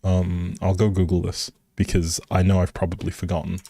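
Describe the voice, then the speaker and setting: A man's voice: sits low, completely flat delivery, fairly quick, vocal fry, warm tone, husky, no echo. A man hosting a game livestream, chatting casually and thinking aloud in an easygoing way as he plays. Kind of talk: casual livestream commentary while playing a life simulation game.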